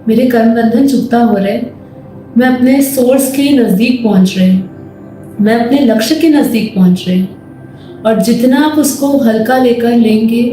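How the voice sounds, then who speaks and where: An Indian woman leading a guided meditation with spiritual teaching, calm, measured and instructive in manner. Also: a little high. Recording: very echoey voice over faint music. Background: soft music.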